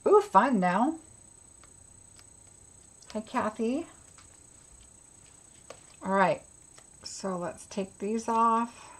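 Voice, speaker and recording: A woman's voice: on the high side, animated, very slow, long pauses. A woman giving a casual live craft tutorial as host, chattily talking herself through each step.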